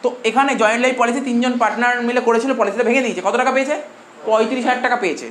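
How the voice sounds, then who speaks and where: In a classroom lecture on commerce, an Indian man with a Bengali accent speaks in a very high, rapid-fire voice with a fairly bright tone. He goes extremely fast, repeats his points and keeps firing questions at the class, while his voice rings in an echoey room with faint hiss behind it.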